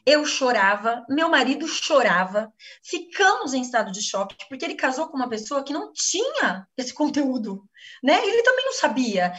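A woman's voice: high-pitched, a bit bright, far from the mic, lo-fi sound. A Brazilian woman giving an earnest personal testimony in a live class, acting out the things she once said. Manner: earnest, acts out her own quoted speech.

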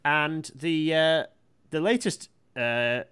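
A man hosting a casual livestream chat, talking in a halting way and often repeating himself as he reads out comments. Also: a little high, fairly bright tone, clean tone. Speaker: livestream host.

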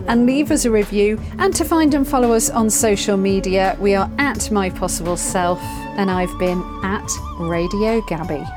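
Female podcast host, gushing and heartfelt, mid-pitch, music bed behind. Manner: warm, effusive and grateful. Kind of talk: casual interview and podcast outro.

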